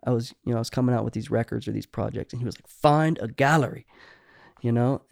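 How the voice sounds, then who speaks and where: A man's voice: mid-range voice, quick pace, gravelly, a little mellow, no room sound, studio quality. A middle-aged man, a songwriter guest, talking casually and rambling with many restarts. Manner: rambling, restarts often, says "you know" a lot. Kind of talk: casual podcast conversation.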